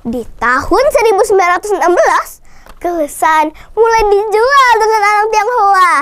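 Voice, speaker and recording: A young schoolgirl telling a folk tale, slow and sing-song, speaking to her classmates. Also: very high voice, animated, a bit bright, dry recording. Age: child. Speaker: student storyteller. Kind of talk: storytelling with sung rhymes.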